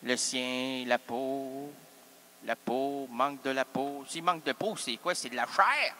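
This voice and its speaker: A man's voice: mid-range voice, unhurried, sharp tone, a little hiss or hum. A man, hosting an improvised solo comedy show full of absurd, self-interrupting wordplay. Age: 30s. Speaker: host.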